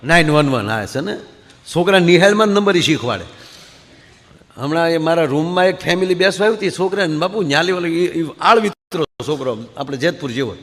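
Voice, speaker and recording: A man telling comic folk stories to a live audience, acting out his characters with quick voice shifts. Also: a little high, expressive, fairly bright tone. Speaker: folk comedian storyteller. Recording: hall reverb.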